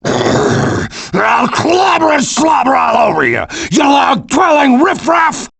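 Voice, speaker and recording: Bullying slobbery Rottweiler for a cartoon game, shouted, slow and swooping. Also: male voice, very high voice, wildly swooping pitch, gravelly, slightly rough, full character voice. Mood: menacing. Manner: bullying, threatening. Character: vicious, slobbering Rottweiler guard dog. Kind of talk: cartoon video game voice acting.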